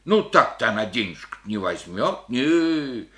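A man's voice: medium pitch, big pitch swings, unhurried, pushed and bright. A hesitant old village grandfather. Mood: humble, fumbling. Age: older. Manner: rustic, hesitant, rambling village speech. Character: humble old village grandfather, burned out of home. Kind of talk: radio play acting.

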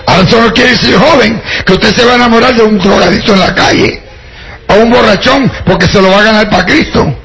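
This rough recording captures an older man from Puerto Rico, fast-talking with a high, slightly bright voice and a Puerto Rican Spanish accent. Preaching his testimony to a congregation, he speaks to listeners directly and adds wry jokes.

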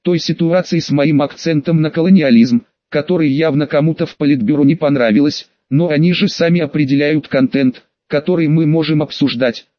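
A man narrating an audiobook in the first person, reading in a steady, even way. His voice sits a bit high for a man. The sound is dry and close, with a slightly dull, muffled tone. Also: a little fast, few pauses, dry recording.

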